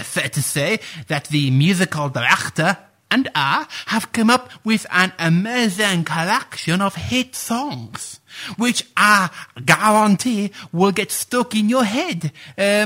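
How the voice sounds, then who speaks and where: Heavily acted and forceful, this man's bright voice sits high and moves slowly as he portrays a pompous playwright guest who gets flustered in a comedy radio sketch. He stammers and hesitates, scattering "uh"s among his grandiose turns of phrase.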